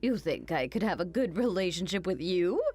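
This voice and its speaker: A woman voicing a cruel, greedy older mother-in-law who mocks and insults in an animated story. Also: fairly low pitch, moderate pace, faint music behind. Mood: sneering. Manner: sneering, insulting, mocking.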